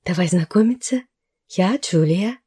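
A woman voicing a young foreign woman skydiver who talks in an easy, open and slightly halting way. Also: fairly low pitch, lively intonation, dark tone, husky. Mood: friendly.

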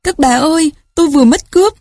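Storybook peasant boy, hot-tempered and plucky, read by a woman, a soft, mellow, slightly husky voice pitched up. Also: normal speed, no echo, studio quality. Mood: pleading. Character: brave indignant peasant boy, older brother.

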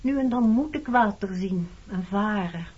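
A woman's voice: medium pitch, measured pace, darkish tone, lightly acted. An actress playing a guarded, pointed woman in her early thirties in a Dutch radio play. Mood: matter-of-fact. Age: 30s. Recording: dull lo-fi radio recording, clear noise.

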